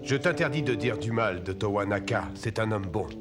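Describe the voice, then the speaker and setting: A man playing a fatherly but firm old tribal chief in a French cartoon dub, speaking with measured authority. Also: on the low side, lively intonation, close to an everyday voice. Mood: stern. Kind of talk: French animated film dub. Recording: loud music under the voice.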